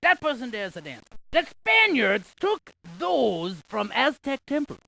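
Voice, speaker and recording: A woman playing an excitable, quirky scientist in an educational game, reciting landmark trivia with theatrical emphasis and playful quips. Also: high voice, unhurried, vocal fry, dry recording, heavily acted. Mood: cheerful, informative. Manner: theatrical, quippy, exaggerated emphasis.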